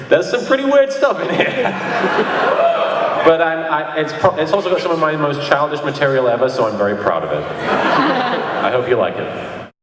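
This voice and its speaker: A man's voice: on the high side, very animated, unhurried, long pauses. A man giving casual, joking, self-mocking panel talk, prone to giggling as he speaks. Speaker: panelist, maker of a spoof series. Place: large indoor convention panel room. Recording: echoey hall, distant PA, loud noise.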